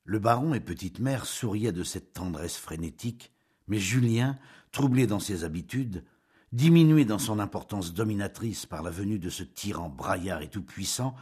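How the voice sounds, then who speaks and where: A man narrating a classic novel with expressive, dramatic storytelling. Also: low voice, husky. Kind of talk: literary audiobook reading.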